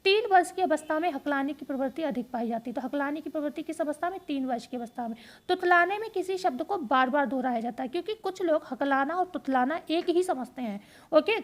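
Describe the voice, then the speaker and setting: High-voiced woman teaching exam prep. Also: expressive, fast, hardly any pauses. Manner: explains step by step, repeating key points as questions and answers.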